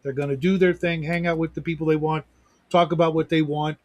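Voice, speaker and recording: A man with a fairly high speaking voice chats loosely on a livestream. He rambles, swears freely and restarts his sentences often. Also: flat delivery, fairly quick, no echo. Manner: rambling, profane, with frequent restarts. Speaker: co-host. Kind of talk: casual livestream chat. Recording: remote livestream chat.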